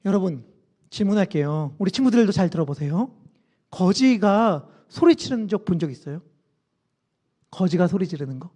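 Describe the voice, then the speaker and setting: A male pastor preaching a sermon, telling the story in an animated way and acting out its scenes. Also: high voice, moderate pace, long pauses.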